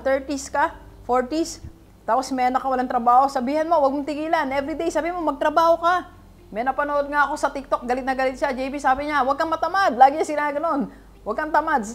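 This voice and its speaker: Lively Filipino woman coaching on retirement. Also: fairly high pitch. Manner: lively, chatty, rhetorical "di ba?" and "alright?" checks. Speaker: financial coach. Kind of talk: motivational Taglish talk.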